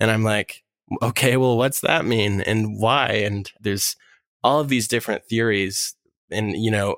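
With an upstate New York accent, a man talks at a moderate pace in a fairly low voice with fairly even intonation, recorded very cleanly against a silent background with a dry, close sound and no echo. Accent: upstate New York American. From US Northeast, Adirondacks, upstate New York. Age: 20s. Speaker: mushroom forager and business owner. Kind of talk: interview conversation.

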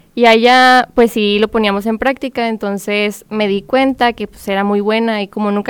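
Speaking in an unremarkable speaking voice at a moderate pace, a woman with a fairly high pitch is heard on a very clean, silent-background recording that sounds dry and close with no echo. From northern Mexico, Piedras Negras, Coahuila. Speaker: piñata maker and small business owner. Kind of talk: casual interview.

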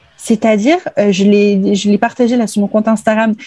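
A woman's fairly high voice, dark and mellow in tone and somewhat breathy. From French islands. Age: 30s. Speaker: business coach and entrepreneur. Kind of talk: casual interview chat.

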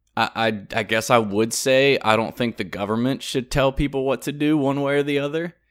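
In a Southern US accent, a man talks at a fairly quick pace with ordinary pitch variation on a very clean recording with a silent background. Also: medium pitch for a man. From US South. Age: 30s. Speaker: guest sharing abortion experience. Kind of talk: testimony.

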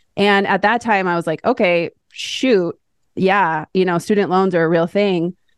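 A woman with an American accent and a plain, everyday voice speaks at a fairly slow pace and medium pitch with fairly even intonation, her sound dry and close with no echo over a quiet background. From Colorado. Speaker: growth and performance coach. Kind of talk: casual chat.

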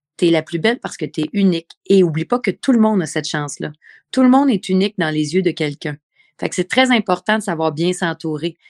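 Recorded very clean with a silent background and a dry, close sound with no echo, a woman at a fairly low pitch talks at a fairly quick pace with lively intonation and an animated tone. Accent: Quebec. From Quebec, Montreal. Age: 40s. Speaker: sommelier and entrepreneur. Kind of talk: casual interview.

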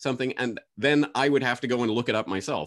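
Recorded dry and close with no echo against a quiet background, a man talks at a fairly quick pace. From Canada. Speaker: independent journalist and podcaster. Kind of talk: interview conversation.

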